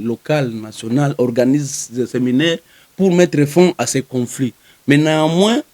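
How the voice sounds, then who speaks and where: A man with a Congolese French accent giving a formal, wordy press conference statement as a spokesperson, phrasing things deliberately. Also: a little high, a little mellow, dry recording. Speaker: spokesperson for a community organisation.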